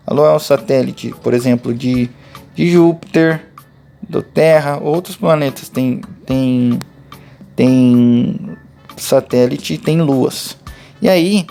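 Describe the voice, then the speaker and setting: A man's voice: a little high, creaky, dark tone. A Brazilian man teaching a remote lesson to schoolchildren, patiently explaining each step and addressing the pupils directly. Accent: Brazilian Portuguese.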